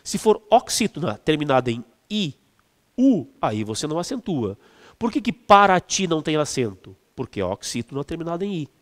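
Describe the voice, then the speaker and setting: A male teacher walks students through exam questions in a lively, rising-and-falling voice. He fills pauses, restarts sentences, and drags out key words for emphasis. His voice rings with a long reverb, as if recorded in a large, hard room. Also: fairly high pitch. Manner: explanatory, with frequent fillers and restarts; stretches words to stress them. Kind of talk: exam-prep lesson.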